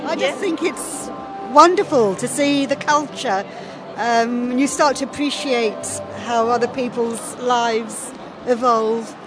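Female visitor, bright higher pitch, clear music behind. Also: poor audio. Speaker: festival visitor. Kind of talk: street vox pop.

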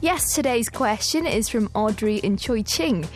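A woman from Northern Ireland with a Northern Irish accent, co-hosting an English learning programme in clear, explanatory scripted speech. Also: fairly high pitch, lively intonation, a little slow, soft background music. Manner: clear, explanatory, asks co-host questions. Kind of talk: scripted educational presenting.

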